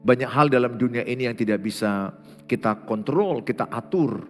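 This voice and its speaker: An Indonesian man preaching a morning prayer sermon, earnest and deliberate, often repeating a phrase and slowing right down when he leads a prayer. His voice rings out with a long hall reverb. Faint instrumental music plays beneath him. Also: medium pitch. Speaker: pastor. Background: soft instrumental music.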